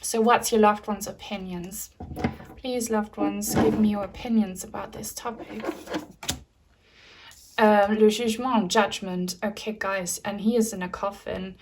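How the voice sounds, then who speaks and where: A woman's voice: medium pitch, fairly even intonation, measured pace, darkish tone, a little hiss or hum. A woman whose first language is German, giving a casual pick-a-card tarot reading to her viewers with lots of fillers and asides. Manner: chatty, many fillers, addresses viewers as guys. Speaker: tarot reader.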